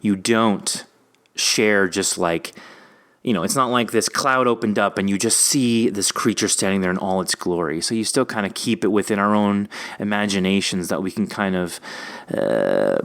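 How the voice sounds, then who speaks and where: Male podcast host with a deep voice, reflective and supportive, musing at length in relaxed conversation. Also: moderate pace, vocal fry. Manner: encouraging, reflective, wordy. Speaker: podcast host interviewing a writer. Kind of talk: casual interview chat.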